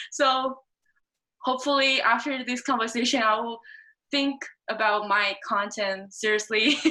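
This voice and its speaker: A woman in a Mandarin accent, bright and sharp in tone, at a fairly slow pace. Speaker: discussion participant. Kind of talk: casual group discussion. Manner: halting.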